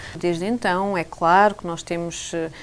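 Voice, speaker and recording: A woman's fairly slow, flat, monotone delivery in a European Portuguese accent. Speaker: journalist and author. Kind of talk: interview. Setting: studio. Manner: halting, many fillers.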